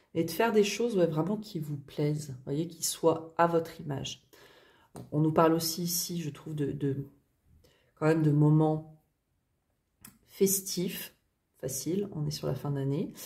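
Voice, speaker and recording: Long, frequent pauses break up a somewhat breathy voice with a dark, mellow tone, moving at a fairly slow pace with ordinary pitch variation. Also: woman, very deep, low pitch for a woman. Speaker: tarot card reader. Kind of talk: tarot reading. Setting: on camera. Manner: hesitant, many fillers.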